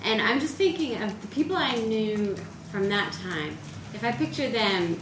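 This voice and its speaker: A woman in a seminar audience asking a thoughtful, measured question. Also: a little high, animated, distant mic. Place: seminar room. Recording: echoey room, off-mic, noticeable background noise.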